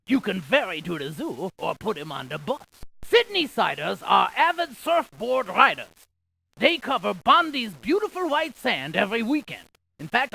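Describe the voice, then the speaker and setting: A man voicing an excitable, quirky scientist in a video game, with a creaky voice and a folksy, jokey, exaggerated delivery. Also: sits high, heavily acted, low-quality recording. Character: excitable, quirky scientist tour guide, full of folksy quips. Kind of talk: cartoonish video game character lines.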